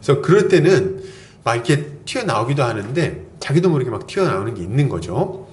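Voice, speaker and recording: A man's voice: mid-range voice, sing-song, a little fast, roomy sound. A man preaching a sermon as a pastor, earnest and admonishing, acting out quoted lines from parents and children. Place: church sanctuary.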